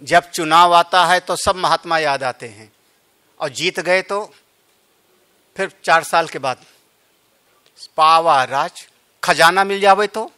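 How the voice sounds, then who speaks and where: A man's voice: fairly high pitch, slow pace, pauses often, pushed and bright, clean tone. A man, a Hindu spiritual leader, telling a scripture story as a sermon, with chatty joking asides to his listeners.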